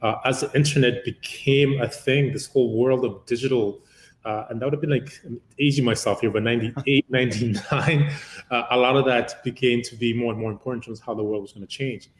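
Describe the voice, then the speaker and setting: A man's voice: mid-range voice, fairly even intonation, a little fast, echoey room, slight background noise. A man in his fifties from Uganda, a company founder giving a long, rambling interview answer full of "uh" fillers. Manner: long-winded, many "uh" fillers.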